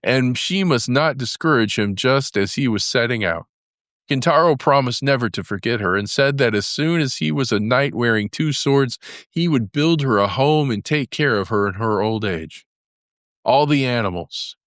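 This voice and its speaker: Male storyteller for children's fairy tales; middle-range pitch, scripted narration, close and dry recording. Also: fairly bright tone, dry recording.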